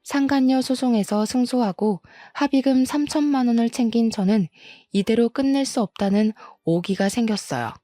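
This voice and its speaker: A woman's voice: a little high, normal speed, dark tone, no echo, studio quality, soft background music. A woman narrating a dramatic first-person story with emphatic, indignant delivery.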